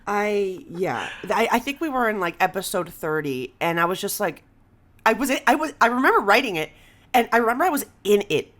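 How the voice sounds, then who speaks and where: Female podcast host, mid-range voice, animated and conversational, drops in Spanish phrases. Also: mid-range voice, a little fast. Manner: animated, expressive, exclamatory; mixes Spanish phrases into English. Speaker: podcast host and comedy writer.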